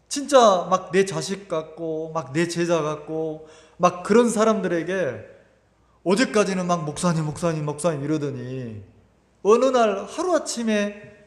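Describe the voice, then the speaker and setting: A pastor giving a Sunday sermon in a lively, conversational way, asking the congregation rhetorical questions and repeating his words often. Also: sits high. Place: church sanctuary. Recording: echoey church hall with long reverb.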